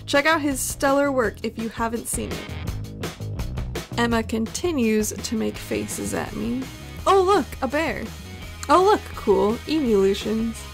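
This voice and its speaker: Playful woman vlogger with gravelly fry. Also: fairly high pitch, lively intonation, a little slow, over music. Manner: chatty, playful. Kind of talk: voice-over narration. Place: home voice-over recording.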